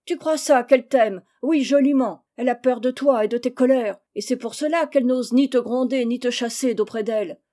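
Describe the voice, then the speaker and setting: A shrill, accusing farm wife, as a woman reader puts her on, pitched high and pushed loud. Her scolding is sharp and piercing, in a mellow storybook voice. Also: normal speed, few pauses, lightly acted. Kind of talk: audiobook character reading.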